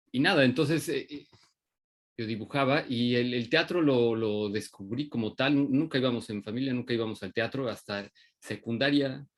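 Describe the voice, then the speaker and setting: A man with a Mexican accent gives an informal talk about his work, hesitating often and restarting his sentences. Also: medium pitch. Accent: Mexican Spanish. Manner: hesitant, many restarts and fillers. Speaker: invited puppeteer speaker.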